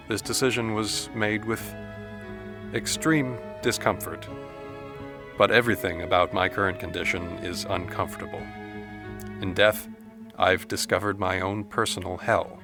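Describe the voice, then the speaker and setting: An actor playing a dead man's trapped, anguished spirit who reads a letter in measured, formal diction in an audio drama. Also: lowish voice. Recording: music under the voice.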